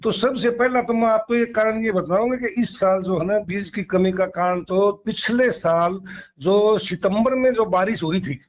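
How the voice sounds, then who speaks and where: Male company officer, high voice, methodical explainer who repeats key terms. Dull phone-call recording. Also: a little slow. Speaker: seed company training and extension officer.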